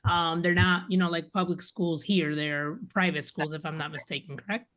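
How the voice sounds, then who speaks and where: A woman's voice: lowish voice, steady tone, moderate pace, noisy background. A woman hosting a podcast interview, friendly and affirming, often rephrasing her questions. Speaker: podcast host. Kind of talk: casual interview.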